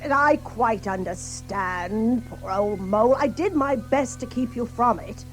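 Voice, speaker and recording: Woman doing old ratty type from a kids audio play, high voice, kindly n fussy, bit of music behind. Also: a little slow, lightly acted. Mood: gently scolding, sympathetic. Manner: hesitant, chuckling, old-fashioned British phrasing. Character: brave, kindly, fussing old water rat, male. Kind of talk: children's audio drama acting.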